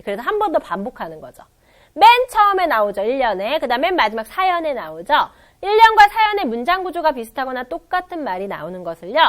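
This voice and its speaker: A woman's voice: fairly high pitch, a bit bright. A woman teaching a recorded exam-prep lecture, explaining with acted-out examples and repetition.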